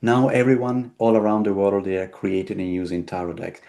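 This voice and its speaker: Low-voiced man searching for his words. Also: level tone, brisk, creaky, dark tone. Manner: searching for words, repeating himself. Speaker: tarot deck creator. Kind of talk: casual interview conversation.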